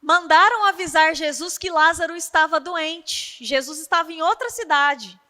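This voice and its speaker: Bright-voiced woman preacher. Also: extremely high pitch, normal speed, long reverb tail. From Brazil. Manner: animated storytelling, acting out quoted voices. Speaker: preacher at a women's meeting. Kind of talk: sermon. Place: church hall.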